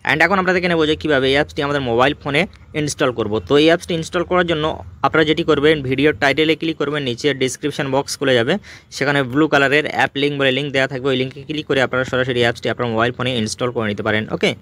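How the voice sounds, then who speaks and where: A man's voice: mid-range voice, steady tone, racing, a bit bright. A man narrating a casual how-to screen-recording tutorial, mixing English words into his sentences and addressing viewers directly with frequent check-in tags. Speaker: tech tutorial host.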